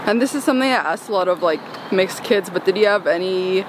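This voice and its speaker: A woman's voice: medium pitch, fast talker. A young woman asking friendly, casual interview questions outdoors. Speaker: street interviewer. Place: outdoors on a city sidewalk. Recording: street noise outdoors. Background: street traffic.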